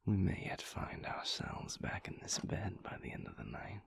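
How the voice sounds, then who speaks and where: A man acts out a refined, seductive vampire lover for an intimate romantic audio roleplay. The voice is very low and mostly whispered, with a heavy gravelly creak. He speaks in a languid, weary way, lingering on formal phrases and leaving long pauses. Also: animated, no echo, full character voice. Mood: teasing, seductive.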